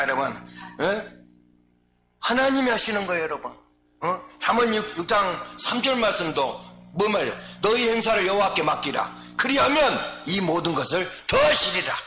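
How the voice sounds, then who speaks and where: An older man from Jeolla with a Jeolla Korean accent, preaching a sermon as pastor, swinging from shouts to low asides and often calling out to the congregation. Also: reverberant. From Jeolla, South Korea.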